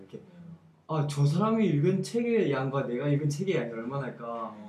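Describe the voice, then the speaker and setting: Speaking at a moderate pace with lively intonation, a man has an ordinary speaking voice and a fairly high pitch. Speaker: design student. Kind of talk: casual chat.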